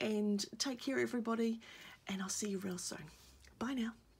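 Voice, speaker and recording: A woman speaks with a fairly high pitch and a somewhat breathy quality. Her pace is moderate. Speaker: crafter selling handmade journals. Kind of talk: casual show-and-tell video. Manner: hesitant with many fillers.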